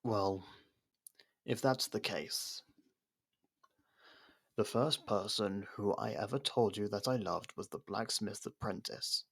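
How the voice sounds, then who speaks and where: An actor playing a proud, defiant captured royal in an ASMR roleplay, speaking in a haughty, halting, dramatic way. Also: male voice, lowish voice, vocal fry, fairly bright tone, slightly rough, exaggerated voice. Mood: wistful.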